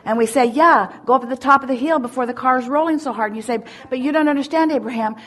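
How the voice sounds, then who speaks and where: A woman giving a spiritual teaching at a seminar, speaking as "we" in an emphatic, drawn-out way. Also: high voice, fairly bright tone. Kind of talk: channeled teaching in first person plural.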